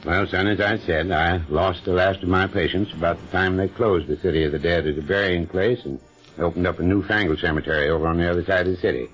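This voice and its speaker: Old retired country doctor: genial, evasive, folksy, low-pitched, on a muffled radio-play recording. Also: male voice, fairly even intonation, fast, fairly bright tone. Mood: genial, reminiscing. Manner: folksy, soothing, insistent. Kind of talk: old-time radio drama acting. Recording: muffled vintage radio recording with music behind.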